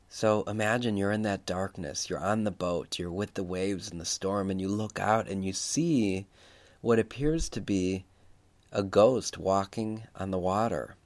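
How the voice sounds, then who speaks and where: A man speaking as a preacher leading a guided Christian meditation, reflective and unhurried, repeating phrases for emphasis. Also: lowish voice.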